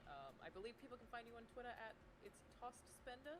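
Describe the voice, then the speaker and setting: Through noticeable background noise, a woman with an Australian accent talks at a fairly quick pace with very wide pitch swings. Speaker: livestream host. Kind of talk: casual chat.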